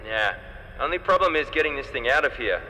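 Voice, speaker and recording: An actor playing a breezy, joking spaceship engineer who talks colloquially in a sci-fi audio drama. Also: male voice, mid-range voice, very animated, brisk, sharp tone, long reverb tail, slight background noise, rough recording. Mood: breezy, upbeat.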